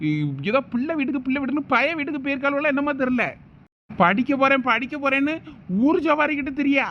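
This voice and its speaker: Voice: high voice, expressive, quick pace, dull audio, a little hiss or hum. A performer voicing a stern, angry village father in a cartoon, with a Thoothukudi Tamil accent and a threatening manner. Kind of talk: cartoon voice acting.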